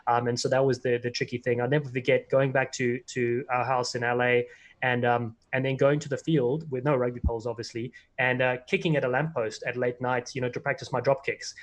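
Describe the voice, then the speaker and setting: A man's voice: mid-range voice, level tone, a little fast. A South African man telling rambling anecdotes as a guest in a casual interview, full of fillers and restarts, over a video call. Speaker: guest, former player and commentator.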